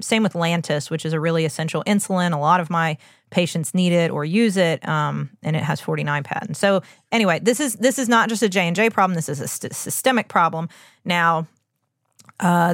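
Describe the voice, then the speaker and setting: A woman's voice: lowish voice, no room sound, clean studio sound. A woman hosting a podcast as a doctor, explaining in an earnest, informal way with emphatic asides. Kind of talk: conversational explainer on medicine.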